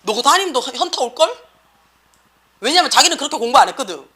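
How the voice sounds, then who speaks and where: A woman's voice: sits high, very animated, quick pace, pushed and bright. A middle-aged woman with a Gyeongsang accent, an academy teacher lecturing and scolding students in a blunt, slangy way. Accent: Gyeongsang Korean.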